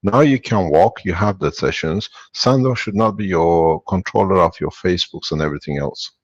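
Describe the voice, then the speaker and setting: A man's voice: sits low, moderate pace, breathy edge, muffled recording. A man leading a spiritual workshop and taking callers, talking in a rambling, insistent way and often cutting in. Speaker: workshop speaker answering callers. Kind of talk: spiritual talk and Q&A.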